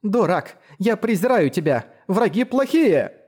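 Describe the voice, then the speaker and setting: A woman's voice: lowish voice, lively intonation, normal speed, a little mellow, pitched above the performer's own voice, natural voice. A man voicing a shy, timid young female apprentice warrior who hesitates and stammers. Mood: shouting.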